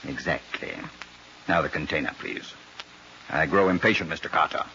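Deep-voiced, menacing colonel, old radio. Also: male voice, moderate pace, pushed and bright. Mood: cold, threatening. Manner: formal, precise, coldly polite military officer. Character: soft-spoken, menacing male colonel, murderous gang boss. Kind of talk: 1940s radio crime drama acting. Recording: muffled, noisy old radio recording.

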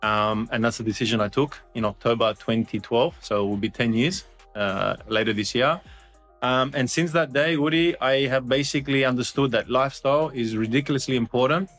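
A man's voice: mid-range voice, a little fast, fairly bright tone, faint music behind. Man telling his story. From Australia. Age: 40s. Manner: earnest, many restarts and fillers. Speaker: guest, company founder. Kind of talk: casual interview chat.

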